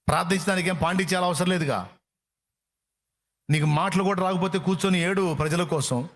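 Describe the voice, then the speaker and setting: Fervent male Telugu-speaking pastor preaching. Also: on the high side. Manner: fervent preaching, repeats phrases for emphasis. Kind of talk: sermon.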